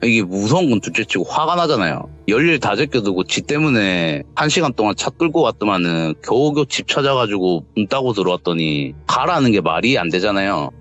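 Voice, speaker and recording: A man's voice: fairly low pitch, fairly quick, few pauses. A man casually telling a true ghost story, acting out the voices in the dialogue he recounts. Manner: animated, acts out the voices in quoted dialogue. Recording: dull lo-fi audio with faint background music.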